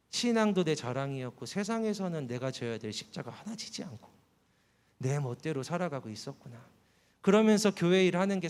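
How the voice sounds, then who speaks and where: Korean pastor preaching in a reverberant hall. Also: male voice. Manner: storytelling, voice drops soft and low for quoted words. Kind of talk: sermon, personal testimony. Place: church hall. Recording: long church hall reverb.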